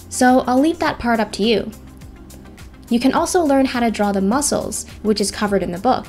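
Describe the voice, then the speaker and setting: Music plays behind a woman whose fairly high voice moves with lively intonation at a fairly quick pace. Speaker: drawing tutorial artist. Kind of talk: tutorial narration.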